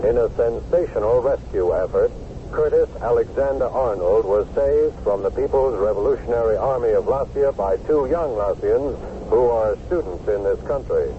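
A man's voice: medium pitch, lively intonation, normal speed, phone-quality sound, natural voice. Man playing a formal radio newsreader. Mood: formal, urgent. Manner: formal, declarative. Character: formal male news announcer reporting a bulletin. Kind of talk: radio newsreading within a drama. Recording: noisy band-limited old radio broadcast.

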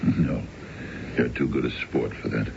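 An American actor playing a self-indulgent middle-aged husband in a radio drama, with a gravelly voice. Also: male voice, extremely low pitch, fairly even intonation, measured pace, heavily acted. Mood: genial, weary. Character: aging husband smitten with a younger woman, self-indulgent. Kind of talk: 1970s radio drama acting. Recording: dull, noisy old radio recording.

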